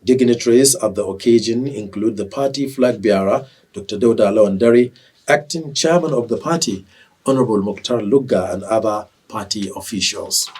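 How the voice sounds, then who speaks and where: Nigerian guy anchoring tv news, formal and measured, husky voice, sounds a bit off the mic. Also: lowish voice, a little mellow, distant mic, rough recording. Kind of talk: scripted TV news reading.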